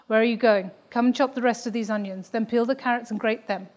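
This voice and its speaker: A woman voicing a stern middle-aged immigrant mother who gives slow, emphatic orders. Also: a little high, darkish tone, close to an everyday voice. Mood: scolding.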